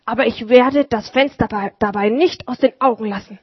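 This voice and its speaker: A woman voicing a kindly, excitable old male shoemaker in a storybook reading, speaking eagerly with a raised voice. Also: fairly high pitch, normal speed, slightly rough, no room sound. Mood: anxious. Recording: dull lo-fi recording.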